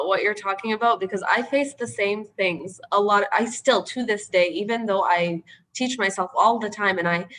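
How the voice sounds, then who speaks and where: A woman answering a question in an online training session, chatty and earnest, with a dry throat she keeps clearing. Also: mid-range voice, fairly bright tone, rough recording. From Palestinian. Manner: chatty and earnest, frequent "you know" and "like". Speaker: media trainer.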